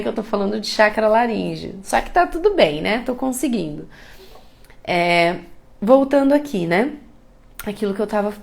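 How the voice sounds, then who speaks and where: A woman with a cold and a rough, gravelly voice, teaching chakras in a live online talk and often checking in with her listeners. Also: a little high, a little mellow. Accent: Brazilian Portuguese. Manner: explanatory, repeats questions, tag "né?".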